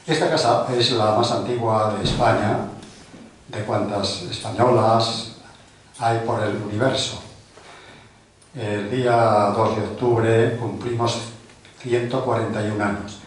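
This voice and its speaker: A man's voice: on the low side, steady tone, slow pace. An older man hosts a book presentation in a big, very echoey hall, heard from far off the mic. His speech rambles casually, with little self-deprecating jokes, and there is a faint hiss underneath. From Spain. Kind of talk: informal welcoming speech. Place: large hall of a cultural club, indoors.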